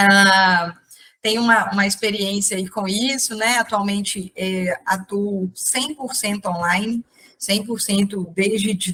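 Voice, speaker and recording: A woman with a Minas Gerais accent, medium in pitch, with a bright, sharp tone, fairly even intonation and a very slow pace. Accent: mineiro Brazilian Portuguese. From Brazil, Minas Gerais. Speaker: psychologist and lecturer. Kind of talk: lecture. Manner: hesitant, many fillers.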